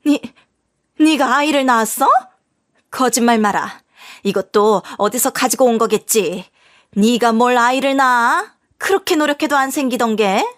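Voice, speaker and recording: A woman's voice: a little high, moderate pace, lightly acted. A woman voicing a scornful, bossy old mother-in-law who scolds in disbelief.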